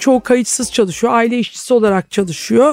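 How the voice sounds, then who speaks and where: Over music in the background, a woman's high voice shows ordinary pitch variation in a dry, close sound with no echo. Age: 50s. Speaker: restaurant chain founder. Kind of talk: interview.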